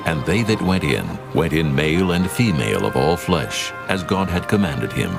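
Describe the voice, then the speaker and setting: An extremely deep male voice with a gravelly creak narrates scripture. He is solemn and measured, with lively rises and falls, over clearly audible music.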